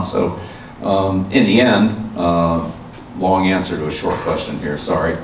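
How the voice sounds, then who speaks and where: A man speaks in a very deep, low voice with ordinary pitch variation over noticeable background noise. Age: 70s. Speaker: football coach. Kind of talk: press conference answer.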